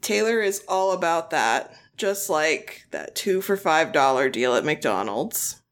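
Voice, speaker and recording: A woman's voice: low-pitched, expressive, a little slow. A woman co-hosting a podcast in casual chat, teasing dryly and laughing often. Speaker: podcast co-host.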